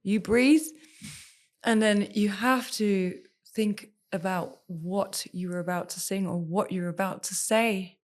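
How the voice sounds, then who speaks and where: A woman's voice: mid-range voice, fairly even intonation, slow pace. A woman who is a singer and former TV presenter, speaking as a podcast guest and giving voice-care tips with emphatic repetition. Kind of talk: podcast interview.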